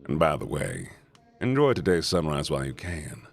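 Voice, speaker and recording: A man voicing a blunt male vampire biker with a raspy voice and slow, curt delivery. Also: a bass voice, wildly swooping pitch, faint music behind, pitched below the performer's own voice, full character voice. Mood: gruff.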